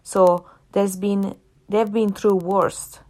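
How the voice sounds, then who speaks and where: A woman's voice: medium pitch, level tone, slow, darkish tone. A woman with an Italian accent, talking earnestly to her viewers in a casual vlog and repeating phrases for emphasis. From half Italian. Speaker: vlogger. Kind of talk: casual talk to camera.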